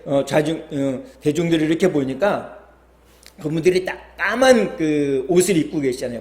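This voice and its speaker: Male pastor, sermon storyteller, slightly high voice, echoey church sound. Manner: animated storyteller, acts out quoted lines with higher pitch.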